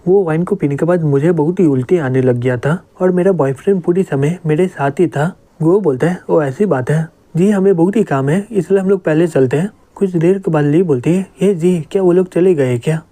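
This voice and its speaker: Male narrator for a comic recap, warm low-brightness tone, reads every role in his own voice. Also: fairly quick, hardly any pauses. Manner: even storytelling, "he says" before each quote. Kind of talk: scripted narration, reading every character plainly.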